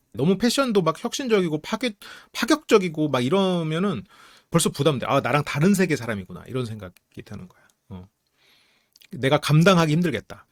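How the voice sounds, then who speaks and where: A man giving a casual psychology lecture to his channel's viewers, animated and acting out example lines in different voices. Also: a little high, dry recording, studio quality. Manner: animated, acts out quoted lines with voice shifts; mixes polite and casual speech, laughs at own asides.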